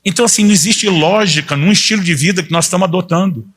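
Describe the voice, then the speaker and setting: A man's voice: sits high, racing, fairly bright tone, breathy edge. A man in his fifties, a pastor giving a conversational sermon and acting out quoted dialogue as he tells stories. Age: 50s.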